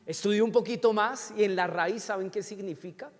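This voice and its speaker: Speaking in a high voice a little on the fast side, a pastor from Colombia teaches a sermon in a church sanctuary, regularly asking the congregation questions. Faint music and the reverb of the church hall surround him.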